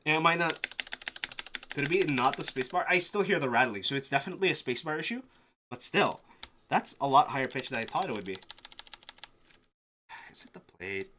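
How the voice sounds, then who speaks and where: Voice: mid-range voice, bright, forceful tone, slight background noise. A live streamer casually thinking aloud, muttering to themself with restarts and sudden exclamations. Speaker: live streamer testing keyboards.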